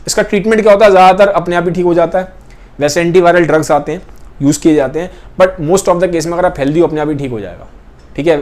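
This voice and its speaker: A young man with a fairly high pitch and a darkish tone teaches a biology class, explaining the lesson while pointing at pictures. He often repeats key points and checks in with his students.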